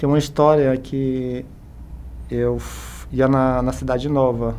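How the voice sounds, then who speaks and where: A man speaks at a very slow pace, with audible room echo. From Brazil, Parauapebas (Pará). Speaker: film and TV extra. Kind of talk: casual interview chat.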